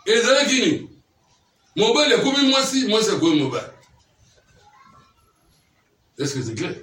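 A man's voice: high voice, very animated, fast, a bit bright. A man preaching a teaching sermon, often checking that his listeners follow him with questions. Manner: keeps quizzing listeners with questions. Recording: echoey room, mic far off.

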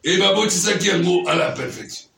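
A man's voice: high-pitched, brisk, gravelly, pushed and bright, a little hiss or hum. A man preaching a teaching sermon, often checking that his listeners follow him with questions. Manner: keeps quizzing listeners with questions. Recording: echoey room, mic far off.

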